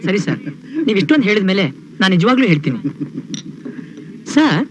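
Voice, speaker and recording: A man's voice: sits high, very animated, brisk, background noise. An actor playing a young male prankster who keeps needling a man, insisting that he is angry. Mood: teasing. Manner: teasing, persistent.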